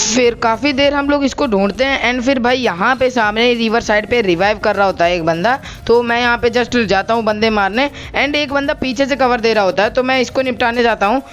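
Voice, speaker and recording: A man's voice: very high-pitched, fairly bright tone. Chatty young man narrating his gameplay. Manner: chatty, addresses viewers as brother, keeps asking for comments. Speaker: gaming channel host. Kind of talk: gameplay commentary voice-over.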